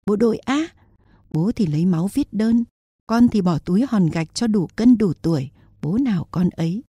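A woman's voice: medium pitch, expressive, normal speed, dark tone, husky, no room sound, clean studio sound. A woman narrating a historical novel as an audiobook, reading steadily in a storytelling manner.

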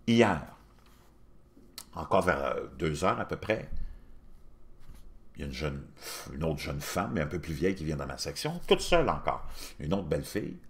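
A man's voice: very deep voice, big pitch swings, normal speed, pauses often. A middle-aged man with a Quebec French accent, talking casually to his viewers in a blunt, crude, colloquial and philosophizing way. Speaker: YouTube channel host.

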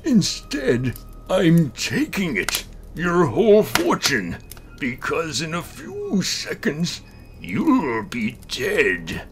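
A man voicing a morbid, scheming old gentleman in a dramatic, drawn-out horror story reading. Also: fairly high pitch, huge pitch swings, heavily acted. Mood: cold menace. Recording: voice over background music.

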